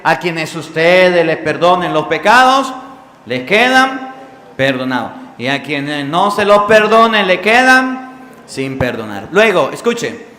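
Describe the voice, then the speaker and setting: A man's voice: a little high, very animated, takes it slowly, bright, forceful tone, a little hiss or hum. A man preaching a sermon as a priest, asking his congregation questions. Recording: echoey hall with long reverb.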